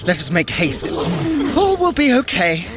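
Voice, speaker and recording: An actor playing a clever, wry god of mischief with dry, articulate, theatrical delivery in a fantasy audio drama. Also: male voice, high-pitched, wildly swooping pitch, takes it slowly, heavy background noise, heavily acted. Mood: grave, urgent.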